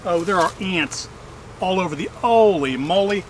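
A man's voice: high voice, lively intonation, measured pace. A middle-aged man hosting a casual beekeeping vlog outdoors, talking in a chatty way with exclamations and repeated restarts. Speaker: hobbyist beekeeper and channel host. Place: outdoors in a wooded backyard apiary. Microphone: camera on a tripod at a distance. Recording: faint outdoor noise, bees and insects.

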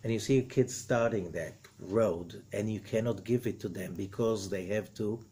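Husky older rabbi teaching with feeling. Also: male voice, fairly low pitch, normal speed. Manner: expressive, gestures broadly, quotes figures dramatically. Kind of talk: animated spoken lesson. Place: indoor room with wood paneling.

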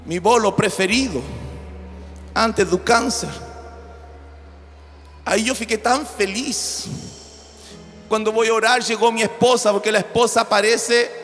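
Man, pastor, Brazilian accent, very high voice, long church reverb, soft music behind. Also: steady tone, unhurried, pauses often. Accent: Brazilian Portuguese. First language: Portuguese. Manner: shouted fervent declarations, then joking storytelling. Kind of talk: charismatic preaching. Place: church hall.

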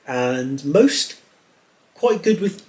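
A man's voice: fairly high pitch, sing-song, extremely slow, darkish tone, slight background noise. A man in his thirties with an English accent, casually chatting as co-host of a family vlog from his living room sofa, filmed by a camera a few feet away. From England. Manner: chatty, explains things with gestures, laughs lightly. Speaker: channel co-host. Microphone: fixed camera a few feet away.

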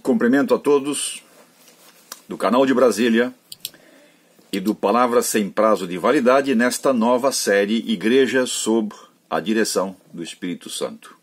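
A man's voice: fairly low pitch, moderate pace, slightly rough. An older man, a pastor, telling a Bible story in a sermon to camera from his home study, gesturing as he talks. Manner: expressive storytelling with hand gestures.

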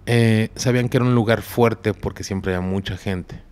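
A man's voice: fairly low pitch, moderate pace. Slangy Mexican man telling a story. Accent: Mexican Spanish. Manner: slangy, animated when quoting others. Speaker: podcast guest. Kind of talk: casual storytelling interview.

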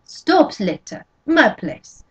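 A woman's voice: a little high, sing-song, slow, husky, pitched above the performer's own voice, full character voice. A woman voicing an older French-Canadian landlady, kindly but wary, with clipped, singsong phrasing, in a dull lo-fi recording.

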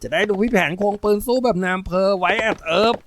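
A man voicing an excitable, naive little boy who shouts and chatters eagerly. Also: fast talker, slight background noise. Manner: shrill, shouting, breathless excitement.

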